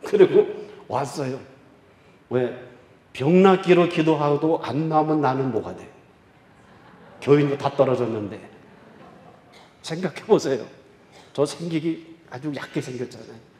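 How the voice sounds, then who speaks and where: A male pastor preaching a revival sermon and telling a story, swinging from loud exclaiming to quiet confiding. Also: a little high, unhurried, long pauses. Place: church sanctuary. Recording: echoey church hall.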